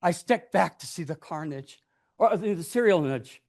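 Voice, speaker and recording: A club storyteller gives a speech in the form of a tall tale, his pitch very lively and swooping. He delivers it deliberately and dramatically, made for storytelling, slipping into acted voices along the way.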